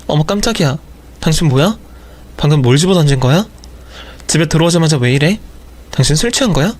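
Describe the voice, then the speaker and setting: A man's voice: fairly high pitch, lively intonation, a little fast. A man playing a defensive young wife who stammers and pleads with her husband. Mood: flustered. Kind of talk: audio drama storytelling.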